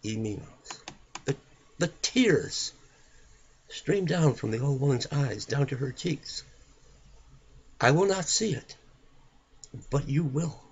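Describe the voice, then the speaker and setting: Gravelly man, dramatic religious reading. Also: medium pitch, expressive, highs cut off. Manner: solemn, emphatic, deliberate phrasing with pointed pauses. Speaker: preacher reading a written prophecy aloud.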